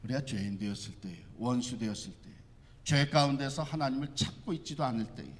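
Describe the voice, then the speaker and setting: Male pastor, sermon, impassioned and repetitive, mid pitch, echoey hall. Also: a little fast, slight background noise.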